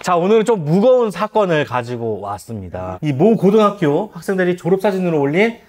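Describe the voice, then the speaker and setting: A man's voice: high voice, very animated, fairly quick, a little mellow, a little hiss or hum. A man hosting a casual talk show, introducing topics and agreeably chiming in with short responses. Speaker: host.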